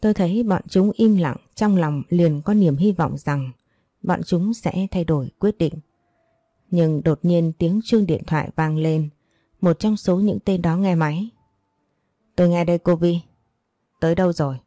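Low, mellow woman reading a story. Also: measured pace, no room sound, studio quality. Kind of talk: scripted first-person story narration.

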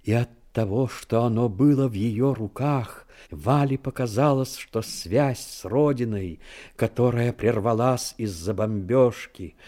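A man narrating a scripted dramatic story in a measured, expressive way. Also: mid-range voice.

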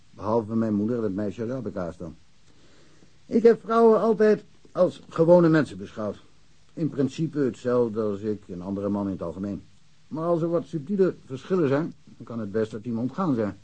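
Mellow, husky provincial police chief. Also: male voice, fairly low pitch, rough recording. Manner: candid, musing, wry. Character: frank provincial police chief, chatty lifelong bachelor. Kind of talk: naturalistic radio drama dialogue.

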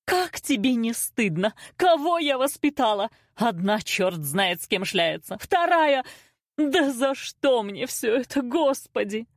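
A woman voicing a hysterical middle-aged mother in an audiobook, loud, dramatic and accusing. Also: on the high side, expressive, moderate pace, no echo, clean studio sound, pitched above the performer's own voice. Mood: lamenting. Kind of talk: audiobook character acting.

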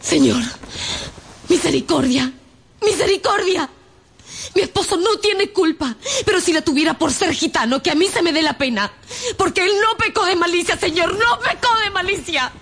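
A woman's voice: extremely high pitch, expressive, moderate pace, fairly bright tone, full character voice. An actress playing a desperate young gypsy girl in a radio drama, pleading tearfully for her beloved. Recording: music behind.

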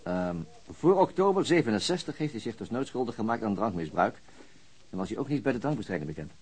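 A methodical police detective in a radio drama, thinking aloud and probing. He talks quickly in a husky voice with lots of rise and fall. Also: lowish voice, very animated, a little mellow. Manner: questioning, methodical. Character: thoughtful, orderly male police detective.

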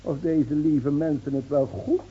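An actor in a Dutch radio play playing a mocking, defiant old village drunk who foretells doom with theatrical scorn. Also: male voice, fairly high pitch, fairly even intonation, unhurried, highs cut off, noisy background, natural voice. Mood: triumphant, taunting. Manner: taunting, theatrical, scornfully laughing.

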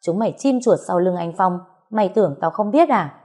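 A woman voicing a jealous, scheming young woman who whines and accuses in a high, shrill voice. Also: animated, a little fast, darkish tone. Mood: shrill angry.

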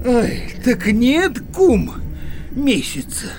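Grumbling Cossack villager, theatrical audio play, very slow drawl, widely swooping pitch, indecisive, exclamatory. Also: male voice, big pitch swings, a little mellow, exaggerated voice. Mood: puzzled, wistful. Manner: drawn-out, exclamatory, muttering grumble.

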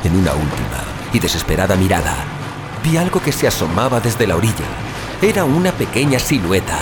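A man performs a dazed, desperate survivor telling his own story in an audio drama. The voice is on the low side and swings widely in pitch, with theatrical gasps and exclamations. Music plays clearly behind the anguished narration. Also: big pitch swings, brisk. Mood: somber, haunted. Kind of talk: dramatic first-person audio fiction narration.

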